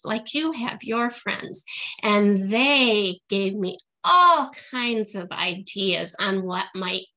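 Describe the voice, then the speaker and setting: A middle-aged woman talks casually as a guest author on a video call. Her voice sits slightly high and has a bright, forward tone. She explains herself in simple terms suited to young listeners. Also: rough recording. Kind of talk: casual question-and-answer chat for children. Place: small indoor room at home. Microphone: computer mic on a video call.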